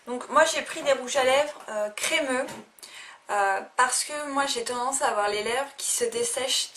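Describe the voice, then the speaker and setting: A woman's voice: high voice, a little slow, a bit bright. A young woman casually reviewing makeup she bought, talking hesitantly with many fillers and restarts. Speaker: beauty vlogger. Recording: faint noise, a little distant from the mic.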